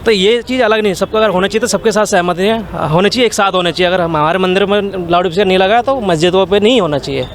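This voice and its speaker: A man talks quickly in a high voice during a street interview. He repeats phrases as he argues his point outdoors. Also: slight background noise. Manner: repetitive, tumbling phrases. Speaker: member of the public being interviewed. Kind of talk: spontaneous street opinion.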